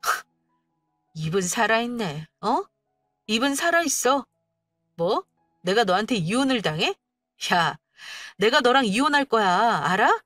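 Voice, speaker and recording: A woman voicing a fierce young wife who answers her husband with sharp, cutting retorts. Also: a little high, sing-song, a little slow, pauses often, no echo, clean studio sound, soft background music, heavily acted. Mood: furious retorts.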